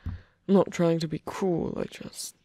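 A man playing a tender, teasing villain in an intimate ASMR roleplay, breathy and hesitant, often dropping to a whisper. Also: a little high, fairly even intonation, no room sound. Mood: earnest, vulnerable. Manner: hesitant, halting, soft-spoken. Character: male villain, tender, teasing, smitten with rescuer. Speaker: voice actor.

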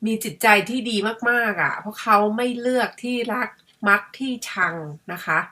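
A middle-aged woman from Thailand talks to her viewers in a loose, chatty vlog style. Her voice is bright and clear, sitting at an ordinary middle pitch, and she muses aloud as she goes. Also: normal speed. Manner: chatty, musing, refers to herself by her own nickname. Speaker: vlogger. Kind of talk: casual chat to camera.

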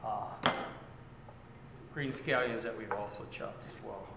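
Second chef, brief remarks in noisy hall. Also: male voice, fairly low pitch, a little slow, creaky. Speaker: chef co-host. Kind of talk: cooking class demonstration. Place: large hotel function room, indoors. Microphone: far camera. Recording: echoey hall with loud noise.

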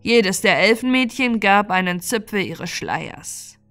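Female storyteller for bedtime fairy tales, mid-pitched, expressive scripted read, music bed. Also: unhurried.

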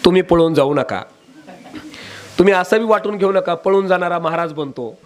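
A male devotional preacher delivers a storytelling sermon with dramatic, sing-song emphasis. His voice sits high and rises sharply on key words. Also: moderate pace.

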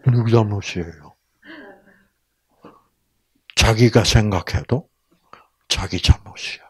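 A man's voice: lowish voice, slow, slightly rough. A man giving a Bible lecture in storytelling style, asking the audience questions and acting out the people in his story. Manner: animated, acts out voices in dialogue.

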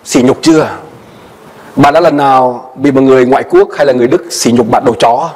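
A male pastor preaching a sermon and telling a personal story with animated delivery, his voice often jumping high for emphasis. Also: brisk. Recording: long hall reverb.

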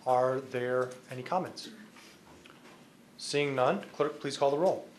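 A man's voice: medium pitch, slow pace. Middle-aged American man chairing, slight background noise. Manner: procedural. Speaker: council president chairing a meeting. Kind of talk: formal meeting facilitation. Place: council chamber. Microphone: desk microphone. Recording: background noise in meeting room.

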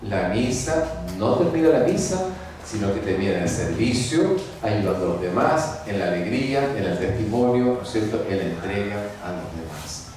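A man, a priest giving a homily at mass and telling stories with lively acted-out voices. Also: on the low side, normal speed, a little hiss or hum. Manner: lively storytelling, acts out voices. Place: large church. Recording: echoey church from far off.

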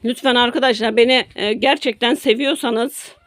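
A woman's voice: on the high side, fairly even intonation, normal speed, fairly bright tone, dry recording, studio quality. A middle-aged woman vlogging from her garden to her followers, talking emotionally, first indignant, then apologetic, often repeating herself. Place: garden by a road near woods.

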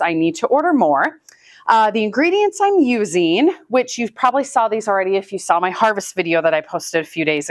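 This woman in her thirties, a Northwest Iowa flower farmer who hosts a channel, chats to the camera in an upbeat, casual way while putting bouquets together. Her medium-pitched voice has no room sound, captured hands-free by a distant camera. She's indoors among buckets of flowers, giving informal how-to narration as she works.

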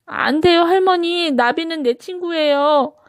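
A woman's voice: very high-pitched, a little slow, no room sound, studio quality, pitched above the performer's own voice. A woman voicing a small, earnest boy in a storybook, tender and protective of his cat. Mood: pleading. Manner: earnest, pleading.

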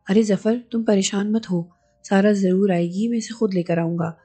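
A woman voicing a young husband, calm and reassuring, with gentle, steady dialogue reading. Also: medium pitch, normal speed, slightly rough, soft background music, close to an everyday voice.

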